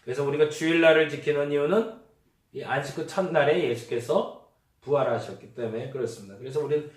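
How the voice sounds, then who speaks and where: A man's voice: fairly high pitch, brisk. A male pastor preaching a conversational sermon, acting out everyday remarks as he goes. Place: church sanctuary. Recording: echoey church hall, mic at a distance.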